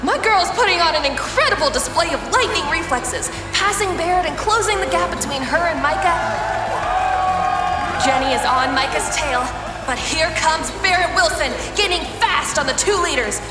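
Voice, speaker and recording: A woman's voice: very high-pitched, expressive, moderate pace, a crowd in the background. A woman narrator delivering scripted narration and commentary for an audio drama. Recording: music behind the voice.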